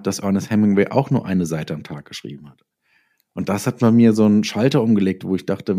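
A middle-aged man talks in a relaxed interview setting. His voice sits fairly low and is very mellow and dark. He reflects as he goes, often restarting a phrase to find the right word. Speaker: interview guest, novelist and former advertising copywriter.

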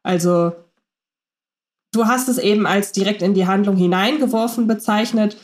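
A woman in casual podcast conversation, weighing ideas aloud in a thoughtful, analytical way. Her pitch sits in the ordinary middle for a woman, and fillers now and then break up her flow. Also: normal speed, darkish tone. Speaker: podcast co-host. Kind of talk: casual chat.

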